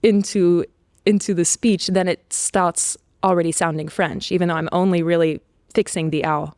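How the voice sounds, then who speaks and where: A woman's voice: fairly low pitch, fairly even intonation, normal speed, darkish tone, dry recording, clean studio sound. A young woman narrator and songwriter chatting as a podcast guest, laughing often and playfully trying out accents. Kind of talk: casual interview chat.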